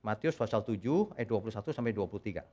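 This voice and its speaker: A man preaching a sermon at a church service, emphatic and animated, with loud peaks. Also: on the low side, fast talker, highs cut off. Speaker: pastor.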